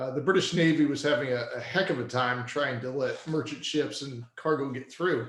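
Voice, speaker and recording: Audible room echo surrounds a man speaking with a Texan accent. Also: fairly high pitch for a man, fairly even intonation, moderate pace, hardly any pauses. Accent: Texan American English. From Texas. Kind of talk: interview storytelling.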